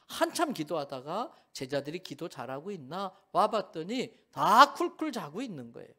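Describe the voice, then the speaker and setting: A male pastor preaching in a church sanctuary, with a high voice that swoops up and down a lot. He tells the story vividly and keeps quizzing the congregation. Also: normal speed. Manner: animated storytelling, asks the congregation questions. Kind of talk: sermon.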